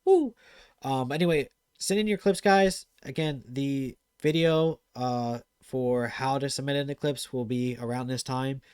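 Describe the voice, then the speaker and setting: Male gaming host, fast and excitable, average pitch, dead-dry room sound. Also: clean tone, no echo. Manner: excitable and fast-talking, with many fillers. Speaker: gaming channel host reviewing viewer clips. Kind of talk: casual commentary over gameplay clips.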